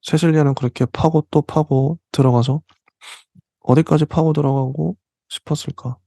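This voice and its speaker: A man hosting a literature channel, reading passages from a novel aloud and explaining them in between with soft fillers. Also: a little high, fairly even intonation, vocal fry, dry recording. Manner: reads passages slowly, then comments with soft fillers.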